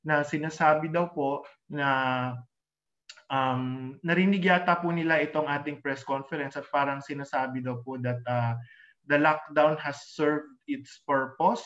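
A middle-aged man with a Filipino accent, moderating an online press conference and reading out questions haltingly over a video call. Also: on the high side, steady tone, a bit bright. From Philippines. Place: indoor room on a video call. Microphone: video call microphone. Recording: muffled video-call audio.

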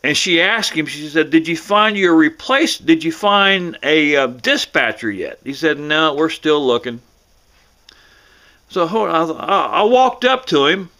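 A middle-aged American man telling a personal story casually to camera in a folksy, halting way, often repeating himself. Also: fairly high pitch, bright, forceful tone. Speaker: vlogger.

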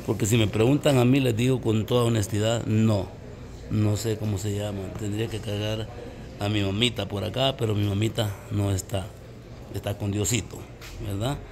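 Chatty Salvadoran man with a gravelly voice. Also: fairly low pitch, steady tone, moderate pace, a crowd in the background. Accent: Salvadoran Spanish. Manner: chatty, addresses viewers as little friends. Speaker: travel vlogger. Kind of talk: casual vlog narration. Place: outdoors on a misty mountain.

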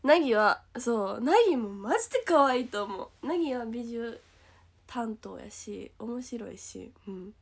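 A young woman with a Kansai accent chatting casually on a livestream, reading comments aloud, giggling often and sometimes dropping to a soft whisper. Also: a little high, a little slow, vocal fry. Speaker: idol livestream host.

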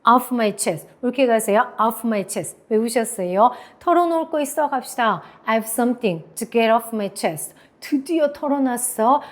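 A middle-aged woman teaching English, who says example phrases slowly and keeps checking in with her listeners. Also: on the high side, darkish tone. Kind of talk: classroom lecture.

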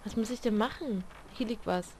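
A woman with a higher-pitched voice gives live commentary on a horror game she plays blind. She is jumpy and exclaims often, cusses at the game and talks back to its characters. A faint hiss sits under the recording. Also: a little fast. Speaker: let's player.

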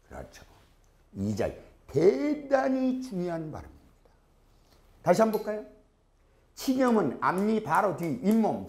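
A man's voice: sits high, creaky, a little mellow. Korean-accented man teaching pronunciation drills. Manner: slow repeated drill phrases, rhetorical questions. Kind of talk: lecture with drills.

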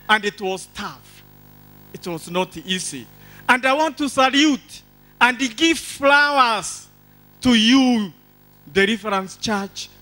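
High-pitched, forceful older Kenyan man preaching. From Embu County, Kenya. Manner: exuberant, declamatory, repeats phrases for emphasis. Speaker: church testimony speaker. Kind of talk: church testimony, preaching to a congregation. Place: large church hall stage. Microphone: handheld microphone.

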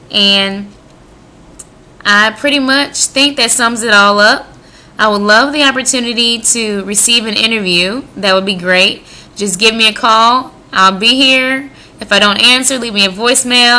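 A woman's voice: medium pitch, bright, forceful tone. An American woman in her twenties from the Midwest, introducing herself informally for a radio audition in a conversational, self-promoting way. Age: 20s. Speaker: radio job applicant.

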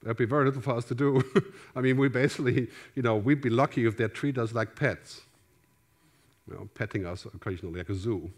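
Through a headset mic on a big theater stage, a middle-aged man with a German accent gives a loose, conversational conference keynote. He speaks a little fast in a mid-range voice, gestures widely, and keeps checking in with the crowd by asking "right?".

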